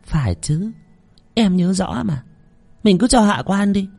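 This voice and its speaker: A man voicing a frightened middle-aged village wife who wails and pleads in a high falsetto. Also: lively intonation, unhurried, gravelly, mellow, exaggerated voice. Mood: insistent.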